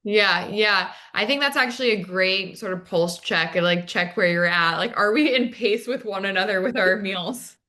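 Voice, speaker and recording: A woman's voice: mid-range voice, normal speed, few pauses, bright, forceful tone. Woman dating coach explaining in conversation. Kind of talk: conversational interview advice.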